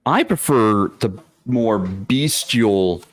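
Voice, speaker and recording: A man in a casual panel discussion about tabletop gaming, speaking as a game master with a deliberate, dryly sarcastic manner. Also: lowish voice, lively intonation, dry recording.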